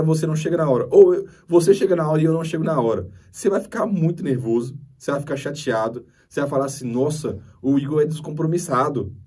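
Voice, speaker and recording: A man's voice: on the high side, dark tone, breathy edge, far from the mic. A man with a Brazilian Portuguese accent, teaching a lesson over slides and repeating his key points with emphasis. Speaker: course instructor.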